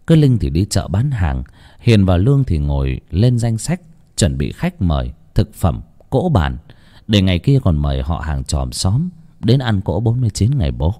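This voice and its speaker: A man narrating a ghost story in a dramatic, expressive storytelling manner. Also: sits low.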